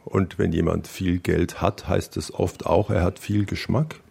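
A man's voice: low-pitched, fairly even intonation, measured pace, gravelly, a little mellow, husky. A man hosting a radio talk interview on location, asking wry, probing questions. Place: on location by a lake.

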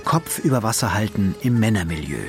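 A man narrating a television portrait in a measured, literary way. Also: fairly low pitch, over music. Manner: measured, expressive, literary phrasing. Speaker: documentary narrator. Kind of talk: scripted narration.

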